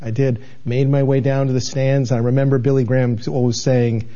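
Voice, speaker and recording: A man's voice: mid-range voice, flat delivery, a little fast, dark tone, lo-fi sound. Earnest man in his sixties, rambling. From New England, United States. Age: 60s. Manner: earnest, rambling, with many restarts and fillers. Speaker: television station manager, guest. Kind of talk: candid interview conversation.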